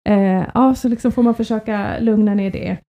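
A woman co-hosting a podcast, telling family stories in a lively, casual way and often breaking into laughter. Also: mid-range voice. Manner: lively storytelling, with frequent laughs. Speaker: podcast co-host. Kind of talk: casual chat.

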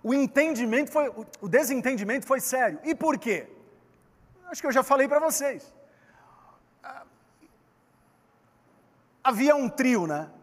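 Brief: animated Brazilian preacher, very high voice, long hall reverb, playful and direct with the congregation. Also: male voice, measured pace, long pauses. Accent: Brazilian Portuguese. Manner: animated, joking, talks straight to the congregation. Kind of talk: lively sermon.

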